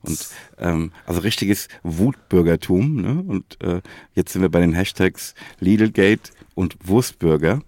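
Man, fairly low voice, dry studio-like sound, casual colloquial podcast chat, frequent tag questions. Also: lively intonation, a little slow, few pauses, a little mellow, no echo. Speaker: podcast co-host.

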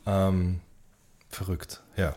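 A man's voice: deep voice, level tone, drawn-out words, mellow. A man, a podcast co-host talking casually and wordily, often rephrasing himself as he goes. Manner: wordy, self-correcting, circles around his point. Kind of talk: casual conversational podcast chat.

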